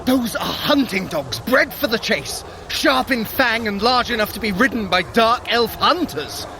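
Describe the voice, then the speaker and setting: A man's voice: very high voice, animated, unhurried, music in the background, full character voice. A man playing a sly, theatrical Norse trickster god in an audio adventure, wry and flamboyant, with elaborate formal wording. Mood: alarmed. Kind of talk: dramatic audio adventure acting.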